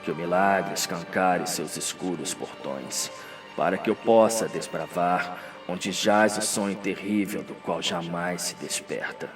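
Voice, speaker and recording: Audio drama role: dying old confessor played by a man, hushed low voice, very slow, sorrowful and morbid, music behind. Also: far from the mic. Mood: dying, solemn. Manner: slow, drawn-out, grave delivery.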